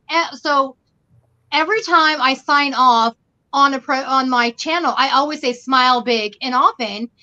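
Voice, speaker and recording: Loud, bright-voiced woman host. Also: sits high. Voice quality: loud, animated storytelling voice. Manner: rambling, tells anecdotes with quoted dialogue. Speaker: livestream host. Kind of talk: casual chat. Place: bedroom at home. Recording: dull lo-fi livestream audio.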